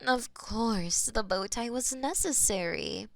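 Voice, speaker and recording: A woman voicing a possessive, taunting female demon mistress in a scripted audio roleplay, teasing and slipping into soft whispers. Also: on the high side, slow, creaky, dry recording, exaggerated voice.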